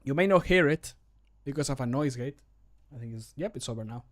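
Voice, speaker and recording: Casting: man in his thirties, medium pitch, informal streamer who mutters and jokes about his own work. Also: expressive, a little fast. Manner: self-critical, joking, thinking aloud. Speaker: streamer recording mod voice lines. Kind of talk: casual livestream chat. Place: small home room. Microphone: close desk microphone.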